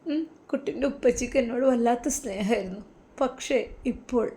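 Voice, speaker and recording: A woman's voice: mid-range voice, mellow, close to an everyday voice. A woman voicing a grieving but resolute young Muslim woman in a spoken story, earnest and pleading. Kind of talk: storybook voice acting.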